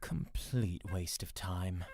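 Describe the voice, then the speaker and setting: A man's voice: low voice, slow pace, creaky, very noisy, full character voice. A man playing a grumpy, impatient skeptic in an audio drama, speaking in a curt, scornful grumble. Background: music.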